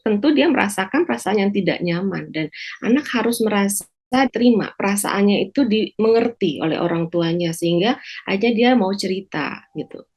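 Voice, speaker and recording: Hesitant, measured woman psychiatrist. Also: medium pitch. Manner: measured, many hesitation fillers. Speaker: psychiatrist guest. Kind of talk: explanatory talk show answers.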